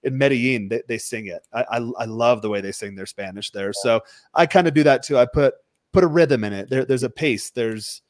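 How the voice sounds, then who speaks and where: Give me a dating coach man talking through his approach in a steady, lecturing tone, dry recording. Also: medium pitch, a little fast, dry recording. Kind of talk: podcast conversation.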